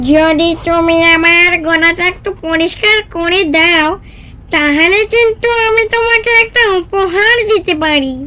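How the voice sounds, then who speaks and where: A cartoonish character voice at an extremely high pitch speaks at a very slow pace over light background noise. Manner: solemn.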